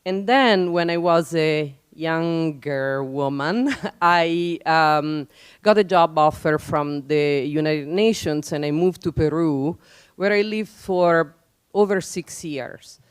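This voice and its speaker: A woman's voice: low-pitched, takes it slowly, smooth, no echo, studio quality. A middle-aged woman from Italy with an Italian accent, giving a personal, informal public talk as a guest speaker in reflective, hesitant phrasing. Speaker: guest speaker, nonprofit office director.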